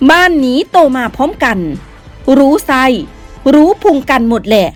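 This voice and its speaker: A woman's voice: high voice, animated, moderate pace, faint music behind. A woman narrating scripted news commentary in a scornful, condemning tone.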